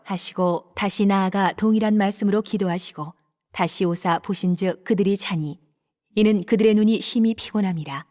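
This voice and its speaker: A woman narrating scripture for an audio Bible drama, telling the story in a steady, even way. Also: mid-range voice, normal speed.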